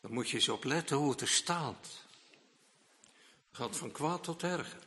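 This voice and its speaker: A male preacher delivering a sermon, emphatic and swinging from quiet asides to loud declamation while repeatedly addressing the congregation. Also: medium pitch, animated, normal speed, a little hiss or hum. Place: church. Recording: long reverb of a church hall.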